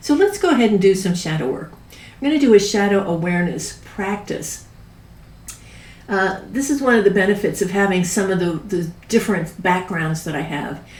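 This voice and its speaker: Lively intonation from a woman at a medium pitch, moderate pace, with audible room echo. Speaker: spiritual teacher. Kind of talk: online class.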